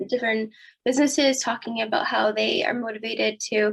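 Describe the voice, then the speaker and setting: This woman has an unremarkable speaking voice, pitched fairly high. She talks at a fairly quick pace with ordinary pitch variation. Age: 20s. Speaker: author and mental health speaker. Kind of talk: interview answer.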